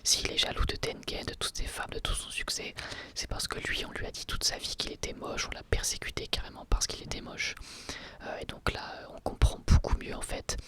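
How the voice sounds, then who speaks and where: An ASMR creator whispering an episode review, hesitant and full of fillers and restarts. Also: normal speed. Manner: soft, breathy whisper throughout.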